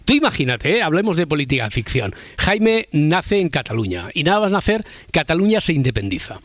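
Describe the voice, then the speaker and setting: Brief: male radio host from Spain, eager chat, slightly high voice, dry close studio sound. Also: very animated, a little fast, a bit bright, no echo. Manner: chatty, repeats words, eager. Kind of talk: late-night radio talk.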